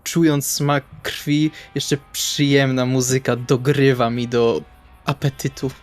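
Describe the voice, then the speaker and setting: A man playing a tabletop RPG, narrating his character's actions in the first person in short, deliberate phrases. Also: mid-range voice, flat delivery. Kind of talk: first-person roleplay narration over game session. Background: soft guitar music.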